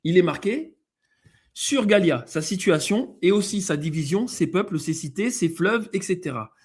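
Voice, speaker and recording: This guest presenter has a high, husky, slightly mellow voice with lively intonation and a moderate pace. Speaking French with a non-native-sounding accent, he explains slides and reads passages aloud, filling his talk with fillers and restarts.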